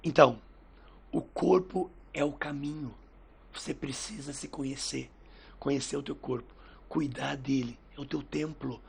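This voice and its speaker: A man's voice: fairly high pitch, creaky, slightly rough. A man, hosting a casual podcast chat and telling stories, acting out the quoted dialogue as he goes. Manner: lively storyteller who acts out quoted dialogue.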